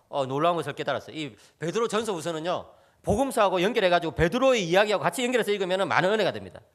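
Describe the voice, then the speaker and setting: A man preaching a sermon in a church, telling stories with animation and often calling out to the congregation. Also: sits high. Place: church sanctuary.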